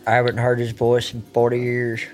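A man's voice: mid-range voice, monotone, brisk, soft background music. A man in his early fifties with a rural American country accent, talking candidly and bluntly with plenty of swearing. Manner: blunt, profane, folksy drawled phrasing. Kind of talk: raw, candid talk.

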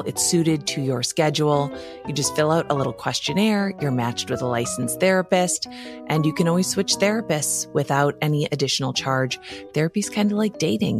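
A woman podcast host reading an upbeat sponsor message and introducing her show. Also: deep voice. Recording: studio read over clear music.

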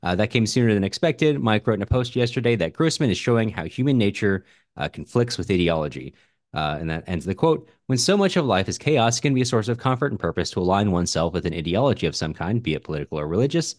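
A man with a lowish voice speaks rapidly as he co-hosts a podcast. His style is casual book chat. The sound is dry, without audible room. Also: lively intonation, a little mellow, no echo. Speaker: podcast co-host. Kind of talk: casual literary discussion.

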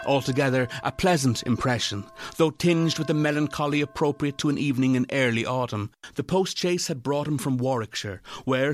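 A man reads an old-fashioned ghost story as its narrator. His mid-pitched voice is measured and deliberate, recorded very dry and close. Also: no echo.

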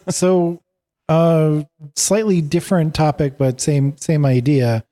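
A man's voice: on the high side, steady tone, takes it slowly, mellow. A man on a podcast panel chatting casually, hesitant, with many fillers. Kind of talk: casual tech news chat.

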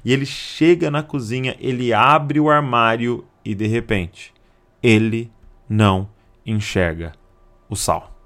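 A man's voice: medium pitch, slow, a bit bright. A man with a Brazilian Portuguese accent preaching a sermon, emphatic, repeating key lines and acting out the people in his stories. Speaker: pastor.

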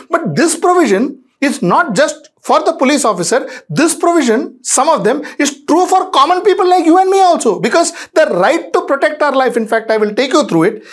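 A man with an Indian accent hosting an explanatory news editorial, speaking emphatically, repeating phrases for weight and mixing Hindi phrases into English. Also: very high-pitched. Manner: emphatic, repeats phrases, poses rhetorical questions. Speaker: editorial host. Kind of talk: explanatory news commentary to viewers.

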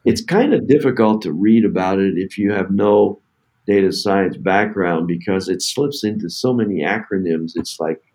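A low-pitched man who founded a tech company, talking casually as a podcast guest. He stops and restarts often, filling gaps with "uh" and "you know". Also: a little mellow. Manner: halting, many fillers and restarts. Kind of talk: casual podcast interview answers.

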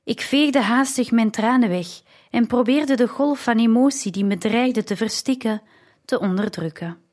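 A woman narrating a story in the first person, with a slow, measured reading. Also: a little high, darkish tone. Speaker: audiobook narrator.

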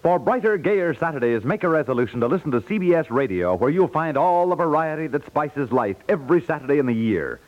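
A man's voice: on the high side, expressive, a little fast, few pauses. A man with an American accent reading scripted 1950s network radio announcements in a polished, upbeat sales delivery. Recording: dull lo-fi 1950s radio recording.

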